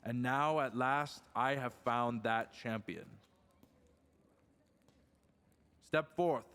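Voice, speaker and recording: A man's voice: mid-range voice, slow pace, a bit bright, smooth. An actor playing a stern, protective medieval king who speaks in formal, archaic phrases with solemn authority in a fantasy audio drama. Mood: proclaiming. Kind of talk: fantasy audio roleplay acting. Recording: long hall reverb.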